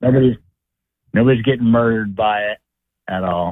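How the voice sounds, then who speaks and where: The speaker is a man with an American accent. He moves fairly quickly through his words. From Idaho. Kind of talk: casual chat. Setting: phone call.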